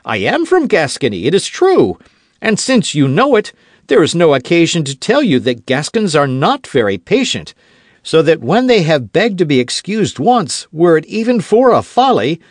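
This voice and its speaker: A man's voice: high-pitched, sing-song, moderate pace, no room sound, clean studio sound, voice pushed up. A man voicing a proud, quarrelsome young Gascon swordsman in an audiobook, speaking in an eager, challenging, raised voice. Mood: indignant, fiery. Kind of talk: audiobook character voice.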